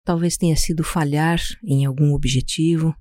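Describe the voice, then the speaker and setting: A Brazilian-accented speaker guiding a meditation in a calm, soothing, unhurried way, leaving pauses between instructions. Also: medium pitch, no echo, clean studio sound. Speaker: podcast host guiding a meditation. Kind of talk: slow guided meditation narration.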